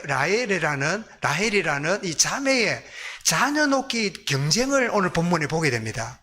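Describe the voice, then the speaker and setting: A man with a Gyeongsang accent preaching a sermon as pastor, lively, asking the congregation questions. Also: high-pitched. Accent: Gyeongsang Korean.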